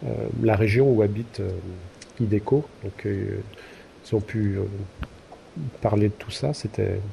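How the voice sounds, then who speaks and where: A man's voice: lowish voice, a little slow, gravelly, dark tone, a little hiss or hum, rough recording. A man co-hosting a podcast in casual chat, talking hesitantly with many fillers and restarts. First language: French. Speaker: podcast co-host.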